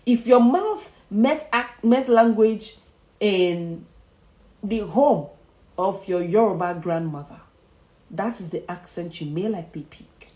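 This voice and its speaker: A public speaking coach teaches viewers in a motivational livestream, her medium-pitched voice warm and animated as she takes things slowly. She speaks emphatically, repeats her key phrases, and chuckles often, all with a roomy echo around her.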